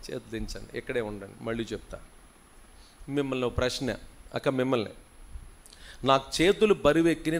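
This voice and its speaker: A man preaching as a pastor at a fasting prayer meeting. He scolds and teases his congregation, calls on them to answer aloud, and moves between soft asides and loud, rising rebukes. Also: medium pitch.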